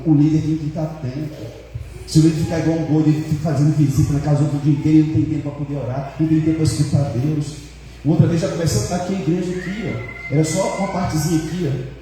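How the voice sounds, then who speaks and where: A man, a pastor, telling a personal story in a sermon, animated and repetitive, full of fillers. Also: fairly high pitch, a little hiss or hum. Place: church hall. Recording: echoey church hall, mic far off.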